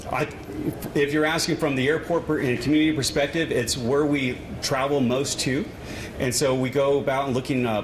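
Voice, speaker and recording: Plain-spoken man at a noisy press conference. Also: medium pitch. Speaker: airport official. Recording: noisy event with background ambience.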